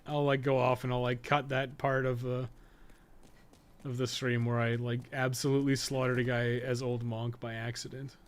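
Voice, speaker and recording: A man's voice: medium pitch, level tone, normal speed, clean tone. A man giving casual, rambling, sweary gameplay commentary as a streamer. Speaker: game streamer and podcast co-host.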